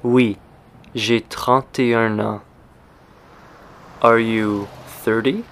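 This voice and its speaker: A man hosting a language lesson, speaking slowly and deliberately and repeating simple phrases for learners. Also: medium pitch, steady tone, fairly bright tone, a little hiss or hum. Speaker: language teacher. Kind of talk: slow scripted language lesson.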